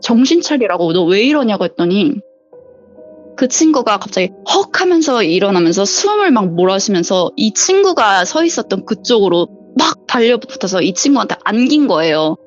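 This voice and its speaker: A woman recounts a true ghost story with a lively, swooping pitch, acting out the voices of the people in it. Her voice is slightly muffled and lo-fi, with faint music playing softly behind her. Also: moderate pace. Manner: vivid storyteller who acts out quoted voices. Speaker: flight attendant sharing a viewer story.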